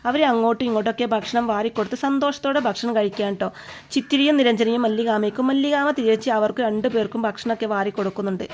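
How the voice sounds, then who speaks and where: A woman casually retelling a TV serial episode in a chatty way, reading the characters' lines a little louder. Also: fairly high pitch, fast talker, slight background noise. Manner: chatty, keeps adding a friendly tag word, acts out the quoted lines a little louder. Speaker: serial recap narrator.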